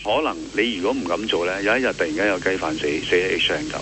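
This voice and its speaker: Cantonese guy in a clip, insistent, low-ish and quick, loud background noise. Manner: firm and insistent. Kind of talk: recorded clip played on radio.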